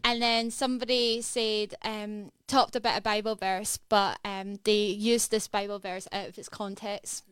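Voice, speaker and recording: A woman's voice: mid-range voice, little pitch movement, measured pace, hardly any pauses, fairly bright tone, clean tone, no room sound. A Scottish woman in her twenties, a chatty guest talking casually with lots of fillers. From Edinburgh, Scotland. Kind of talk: casual interview testimony. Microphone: studio microphone.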